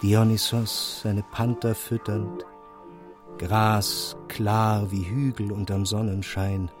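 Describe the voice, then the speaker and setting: An actor playing a grave poet-chronicler, reciting avant-garde verse for a radio play in with an incantatory, declamatory delivery. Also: male voice, lowish voice, little pitch movement, slow, over music. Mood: incantatory, reverent. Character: grave male poet-chronicler of war and myth.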